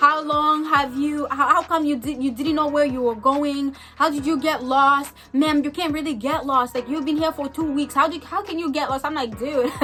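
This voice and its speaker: A woman projects a raised voice at a high pitch. Her pace is moderate. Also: hardly any pauses. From Zambia. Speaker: YouTube lifestyle vlogger. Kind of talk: storytime vlog. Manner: animated.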